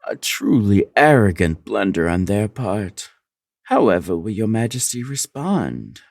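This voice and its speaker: A man playing a scheming, manipulative royal advisor in a fantasy audio drama, with a sly, flattering, insinuating drawn-out delivery. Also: lowish voice, creaky, no room sound, clean studio sound, full character voice.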